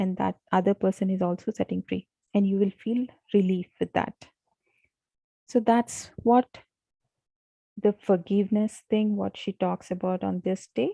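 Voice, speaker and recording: Somewhat breathy and dark, mellow in tone, a woman at a medium pitch speaks at a fairly slow pace with fairly even intonation, in a dry, close sound with no echo. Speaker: meditation and self-help group leader. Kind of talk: guided session teaching.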